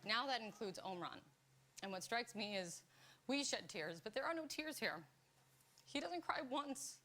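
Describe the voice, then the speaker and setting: A woman delivering a broadcast news report in a measured, solemn way. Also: on the high side, lively intonation, bright, forceful tone.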